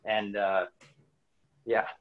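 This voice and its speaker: A man's voice: fairly low pitch, flat delivery, drawn-out words, narrow, tinny audio. A man in his forties on a video call from home, talking reflectively about his life, often restarting and repeating words. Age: 40s. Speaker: interview guest, runner. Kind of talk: casual video-call interview. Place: home room indoors. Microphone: webcam on a video call.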